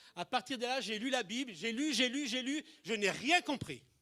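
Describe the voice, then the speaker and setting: A man talks in an animated tone at a fairly slow pace. The recording is very clean, with a silent background. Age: 60s. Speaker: preacher. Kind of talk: sermon. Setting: stage with audience.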